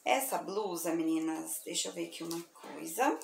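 A woman from Brazil selling thrift clothes online, chatty and effusive, her voice slightly hoarse from sleepiness. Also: on the low side, animated, normal speed. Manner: chatty, effusive, addresses viewers as girls. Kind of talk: casual product showcase. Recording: echoey room with faint ambient noise.

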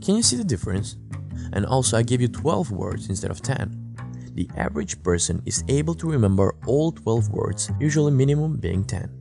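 A man narrating a scripted self-improvement lesson in a calm, instructive way, English not his first language. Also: mid-range voice, brisk, vocal fry. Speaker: self-improvement channel host. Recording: voice-over with guitar music behind.

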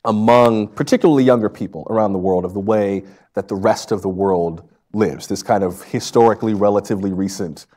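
A middle-aged man moderating an onstage conversation in a lecture hall, laying out long questions in a measured way. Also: lowish voice, warm tone. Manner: measured, lays out questions at length. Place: stage in a lecture hall with a seated audience.

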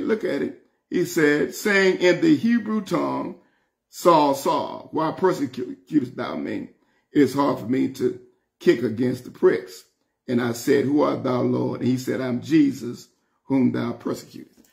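A man's voice: medium pitch, expressive, a little slow, creaky. A man in his sixties with a Southern US accent, teaching Bible study in an emphatic, folksy way, repeating phrases and calling on listeners. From Southern United States. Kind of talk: informal Bible study sermon, reading and explaining scripture. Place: indoor room at home, seated before French doors.

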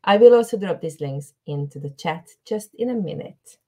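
A woman's voice: fairly low pitch, expressive, moderate pace, warm tone. A woman hosting an online webinar, courteous and a little hesitant, repeating words as she introduces things. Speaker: host. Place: indoor room, video call.

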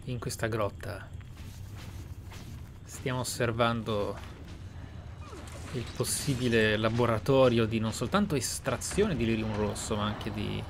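A man's voice: on the low side, measured pace, pauses often. Man narrating a game, noisy backdrop. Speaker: gaming channel host. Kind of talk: Let's Play roleplay narration and commentary. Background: video game ambience.

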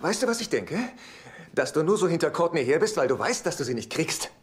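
An actor in a German sitcom dub playing an anxious, fussy, exasperated younger brother who frets and pleads. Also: male voice, on the high side, sing-song, a little fast. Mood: scolding. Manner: fretful, pleading. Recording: TV soundtrack with noticeable noise.

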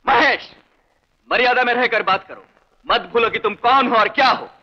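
A man's voice: very high-pitched, moderate pace. An actor playing a proud, stern father who speaks in curt commands, in 1960s film dialogue. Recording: dull old film soundtrack.

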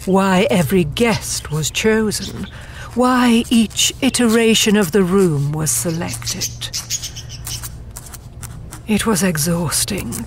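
An imperious immortal ruler in an audio drama, weary of her duties. She speaks slowly and formally at a middle pitch, with haughty, measured phrasing. Faint ambience sits behind her voice. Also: vocal fry, a little hiss or hum. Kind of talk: scripted audio drama monologue.

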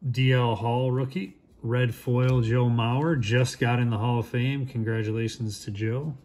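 A man in his thirties giving casual, low-key commentary while opening packs at a shop counter, naming each player as it comes up. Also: fairly even intonation, a little slow, noisy background.

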